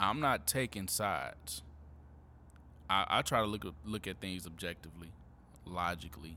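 A man's very deep, low pitch with a bright, sharp tone, lively intonation, a moderate pace and long, frequent pauses, on a very clean recording with a silent background. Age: 30s. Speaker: podcast host. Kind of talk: solo monologue podcast. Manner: casual, hesitant with fillers.

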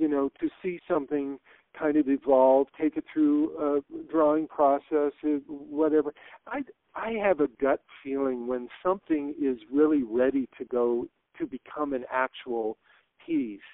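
In a plain, everyday voice, a man with an American accent talks at a fairly slow pace, using a fairly high pitch and ordinary pitch variation. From Los Angeles, US West Coast. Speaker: textile artist and educator. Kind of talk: interview.

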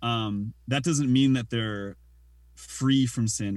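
At a fairly slow pace, a man talks in an ordinary speaking voice with fairly even intonation. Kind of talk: casual chat. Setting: home closet.

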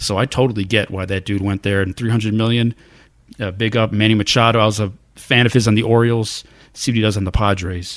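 In a very clean recording with a silent background, a man with an American accent talks very fast in a fairly low, monotone, flat voice. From Chicago area, US Midwest. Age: 40s. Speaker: podcast host. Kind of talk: solo casual podcast monologue.

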